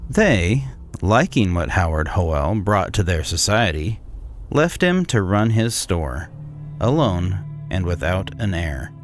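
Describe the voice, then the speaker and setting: A man playing a cynical, disdainful 1800s swindler, narrating a gothic horror tale in a measured, condescending way. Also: low voice, sing-song, faint music behind, full character voice. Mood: grim, detached. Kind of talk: scripted dramatic horror narration.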